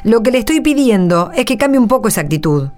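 A woman's voice: a little high, big pitch swings, fast, darkish tone. A woman playing a firm, hard-working country mother in a radio drama, speaking earnest, admonishing Argentine Spanish. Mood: stern, earnest. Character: firm, hard-working rural mother scolding her son.

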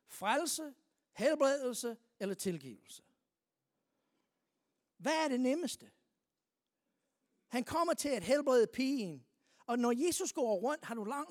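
A preacher reads scripture aloud during a sermon, shifting between quiet reading and loud, emphatic stresses while repeatedly asking listeners rhetorical questions. The voice is mid-range, and the recording is dry and clean, studio quality.

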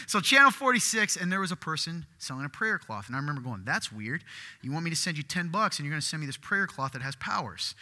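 Excitable pastor in a reverberant hall. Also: male voice. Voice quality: deeper voice. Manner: excitable, conversational, asks the crowd questions. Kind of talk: sermon. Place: church hall with congregation.

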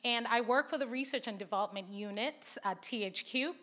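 Bright chatty woman from Zambia. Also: on the high side, fairly quick. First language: not English. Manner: chatty, laughing, audience banter. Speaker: conference speaker. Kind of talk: sermon with casual asides. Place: large conference hall.

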